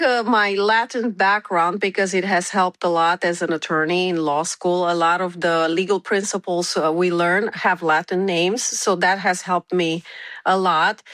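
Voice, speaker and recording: A woman, an immigration attorney answering interview questions in a measured way, pausing often with fillers. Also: on the low side, a bit bright, dry recording. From Romania. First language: Romanian. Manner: measured, with frequent filler pauses.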